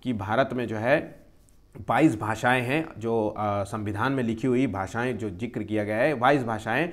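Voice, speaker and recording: A man's voice: medium pitch, moderate pace. A young man teaching exam-prep questions, explaining each answer step by step and repeating key terms. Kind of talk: Hindi exam-prep lesson.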